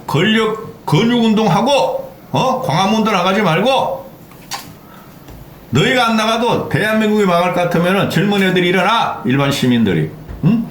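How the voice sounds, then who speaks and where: Older man ranting angrily, high and lively. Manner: heated, swearing, repeatedly interjecting "eh?". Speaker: political commentary host. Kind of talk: angry political rant. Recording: echoey room with faint background noise.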